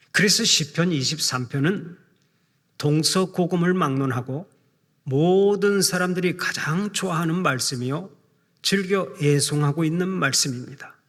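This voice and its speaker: A middle-aged male senior pastor preaching a sermon in a measured way, slowing down to recite scripture. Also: on the high side. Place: church sanctuary. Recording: long reverb of a big church hall.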